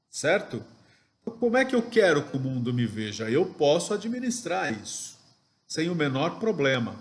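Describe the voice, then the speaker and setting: A man teaching a sales training lesson, explaining step by step and checking in with rhetorical questions. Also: on the high side. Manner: didactic, asks rhetorical questions, frequent "ok?" and "né?".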